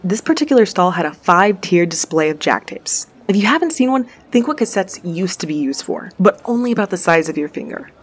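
A woman's voice: on the low side, big pitch swings, fairly quick, few pauses, slightly rough. A woman playing a casual, wry young space courier who rambles informally in an audio drama. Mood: enthusiastic. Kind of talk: naturalistic audio drama acting, logging aloud.

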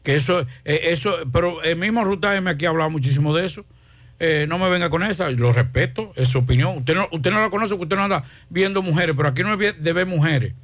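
Fast dominican radio cohost, dry sound, argues back. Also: male voice, a little high, fairly bright tone, dry recording. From Dominican Republic. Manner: brisk, argumentative. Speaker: radio co-host.

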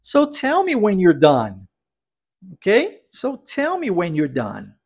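A man teaching English pronunciation in a podcast lesson, drilling phrases slowly for the listener to repeat. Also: sits high, huge pitch swings, a little mellow, husky. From United States.

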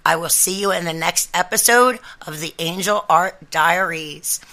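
Slow-paced woman podcaster with a bright voice. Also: fairly low pitch. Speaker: podcast host. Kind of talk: casual podcast talk addressed to listeners.

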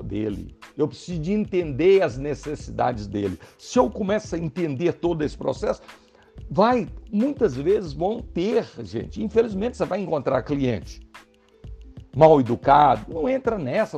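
A man's voice: fairly high pitch, creaky, a little mellow. A man with a Brazilian Portuguese accent giving a motivational sales training talk, emphatic and speaking straight to his listeners. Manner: emphatic, addresses listeners directly.

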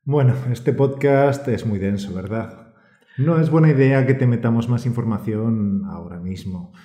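A man co-hosting a scripted teaching podcast. He explains calmly and encourages the listener. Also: medium pitch, moderate pace. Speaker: podcast co-host and Spanish teacher. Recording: roomy echo.

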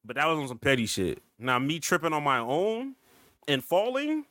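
A man's voice: a little high, wildly swooping pitch, moderate pace, pushed and bright, no room sound, studio quality. A young man hosting a podcast, chatting casually and laughing often as he tells stories. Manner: laughs a lot, loose and playful. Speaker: podcast host. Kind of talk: casual chat.

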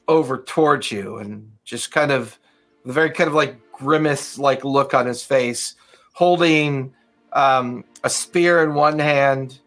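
Male game master, relaxed narration full of fillers, mid-range voice. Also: mid-range voice. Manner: loose, filler-heavy narration.

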